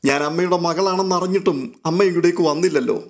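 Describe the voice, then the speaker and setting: A man's voice: high voice, fairly quick, gravelly, voice pushed up. A man voicing a grieving young woman who pleads tearfully for her mother in a spoken novel.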